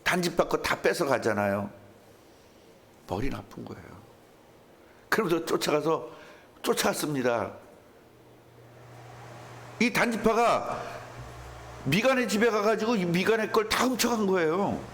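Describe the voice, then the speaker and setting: A man's voice: high voice, measured pace, long pauses, slight background noise. A male pastor preaching a sermon, telling stories and acting out the voices of the people in them. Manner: animated storytelling with acted quotes.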